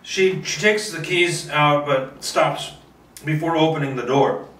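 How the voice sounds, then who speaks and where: A man's voice: on the high side, unhurried, fairly bright tone. A man doing an informal table read of a screenplay, narrating the action and sometimes stumbling or repeating words. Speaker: script reader. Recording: roomy echo, distant mic.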